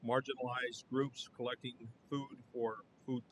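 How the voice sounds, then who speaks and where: A man's voice: mid-range voice, little pitch movement, measured pace, a little hiss or hum, rough recording. A man serving as county commissioner, questioning a request bluntly and skeptically. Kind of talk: official questioning at a public meeting. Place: county board meeting chamber.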